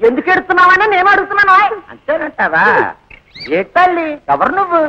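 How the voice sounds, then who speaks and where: A chatty, teasing village constable. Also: male voice, extremely high pitch, very animated, fast, heavy background noise. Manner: bantering, teasing, rustic dialect. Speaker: police constable. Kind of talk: comic film acting. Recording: dull lo-fi old film soundtrack.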